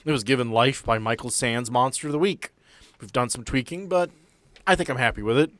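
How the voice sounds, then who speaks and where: Guy running a tabletop podcast, bantering, average pitch, close dry mic. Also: brisk, fairly bright tone, dry recording. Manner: informal, bantering. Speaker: game master and podcast host. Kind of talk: casual group chat and introductions.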